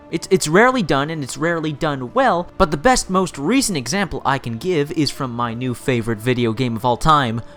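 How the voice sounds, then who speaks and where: Male video essay host: lively, swinging intonation, mid-range pitch, opinionated and informal, faint music underneath. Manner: emphatic, repeats and stacks words for emphasis. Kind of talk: video essay commentary on games.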